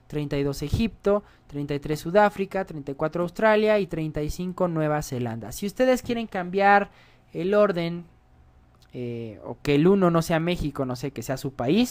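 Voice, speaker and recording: A man's voice: sits high, smooth. A man giving a coding tutorial, explaining step by step and often checking in with viewers. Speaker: programming instructor.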